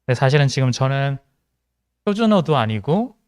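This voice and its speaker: A man's voice: medium pitch, sing-song, moderate pace, a little mellow, clean tone, dry recording, studio quality. A male pastor with a mild Gyeongsang accent, giving a conversational sermon with joking asides. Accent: mild Gyeongsang Korean. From Gyeongsang region of South Korea. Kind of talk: sermon to a young adults' congregation.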